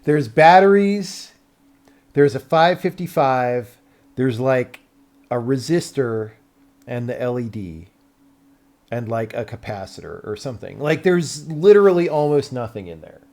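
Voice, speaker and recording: An American man with a medium-pitched voice talks informally as a live streamer. He explains technical things off the cuff, rambling and thinking aloud as he goes. His wording is loose and conversational, occasionally mildly profane. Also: animated, unhurried, a little mellow. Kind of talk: casual livestream chat, explaining tech.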